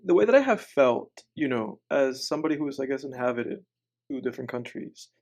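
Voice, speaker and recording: A young man chats on a podcast through a remote call mic. He rambles and hedges, circling back with plenty of fillers before landing a point. His voice sits at a middling pitch. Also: expressive, fairly quick, creaky, darkish tone. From Dominican Republic. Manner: rambling, hedging, many fillers. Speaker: podcast co-host. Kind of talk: casual chat.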